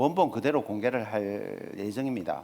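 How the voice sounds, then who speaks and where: A man with a Gyeongsang accent, lively intonation and a moderate pace. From Gyeongsang region, Korea. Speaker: college admissions counselor teacher. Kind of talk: lecture.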